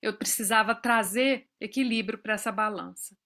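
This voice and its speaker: Brazilian woman, forties, speaker at a professionals' talk; high, bright voice; tells personal stories and acts out dialogue. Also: normal speed. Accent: Brazilian Portuguese.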